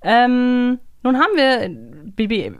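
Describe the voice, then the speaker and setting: A woman's voice: a little high, animated, slow pace, smooth. A young adult woman co-hosting a podcast in a casual, reflective, conversational way. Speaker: podcast co-host. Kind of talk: casual fan podcast chat.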